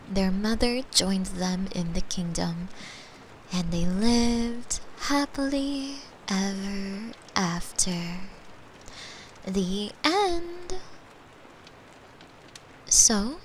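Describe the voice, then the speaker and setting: A woman playing a caring, playful girlfriend in a soft, tender, breathy bedtime ASMR roleplay. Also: mid-range voice, animated, a little hiss or hum, poor audio. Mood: storytelling. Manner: soft, slow, tender, often breathy and whispering. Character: caring, playful girlfriend soothing her partner to sleep.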